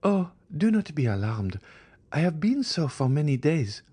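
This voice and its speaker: A man voicing a timid, gentle young girl who speaks softly and hesitantly, in a reading of a classic novel. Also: fairly high pitch, sing-song, measured pace, husky, voice pushed up, heavily acted. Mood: startled. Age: young adult. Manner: timid, soft-spoken.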